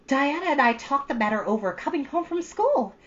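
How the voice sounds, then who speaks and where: A woman's voice: high-pitched, sing-song, brisk, highs cut off, voice pushed up. A woman voicing a chatty, earnest thirteen-year-old girl from a storybook, rambling with solemn drama. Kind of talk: storybook character reading.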